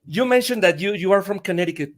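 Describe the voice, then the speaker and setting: High-voiced co-host, friendly. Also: male voice, expressive, fast. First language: Spanish. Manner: friendly, laughing, admits nerves. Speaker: podcast co-host. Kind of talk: casual podcast conversation.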